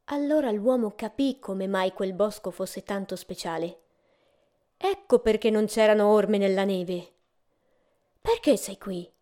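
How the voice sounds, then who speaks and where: A woman gently narrating a fairy tale in a measured storytelling way. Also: mid-range voice.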